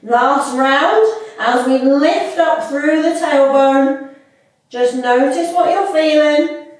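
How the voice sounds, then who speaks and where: A high-voiced female fitness instructor guides a workout with warm, unhurried cues, sounding slightly stuffy from a cold. The room is echoey and the mic sits at a distance.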